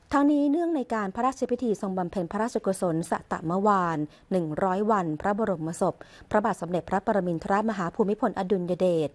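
A woman reads the royal court news as a formal broadcast voice-over. Her delivery stays measured, even and ceremonious throughout. It has the steady, scripted cadence of an official news bulletin. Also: medium pitch. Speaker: news reader.

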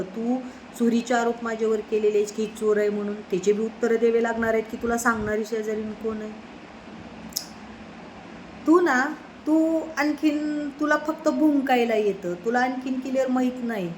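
Woman creator, defiant and insistent monologue, higher pitch, faint background noise. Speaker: social media creator. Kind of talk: direct-to-camera monologue.

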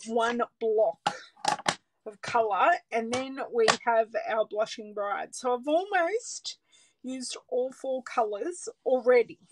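A woman's voice: on the high side, noisy background. An Australian woman demonstrating card making, chatting casually and thinking aloud as she works, sometimes dropping to a murmur. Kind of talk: casual crafting livestream chat. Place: craft table indoors, overhead camera on hands.

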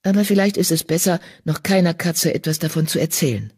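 Woman voicing a soft-spoken, soothing she-cat healer. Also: fairly low pitch, a little fast, slightly rough. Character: calm, kind young female medicine cat. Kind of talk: audiobook character voice.

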